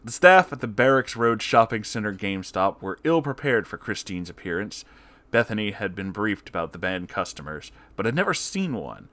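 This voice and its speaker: A man with a fairly low voice narrates a written story. He reads comic horror prose in a dramatic, scripted storytelling style. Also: big pitch swings, moderate pace, a bit bright.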